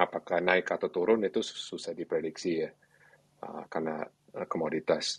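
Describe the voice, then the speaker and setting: The man talks at a fairly quick pace with big swings in loudness, in a dry, close sound with no echo. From Indonesia, Jakarta. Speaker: company executive. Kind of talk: interview.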